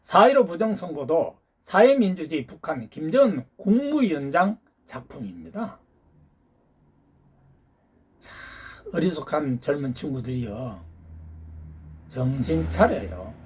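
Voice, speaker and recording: A man delivers a ranting political monologue to his viewers, scolding them and constantly demanding answers with rhetorical questions. His voice is husky and sits a bit high, leaping up and down with lively, animated pitch. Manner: peppers talk with challenging rhetorical questions; lecturing, hectoring tone toward listeners. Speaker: YouTube channel host.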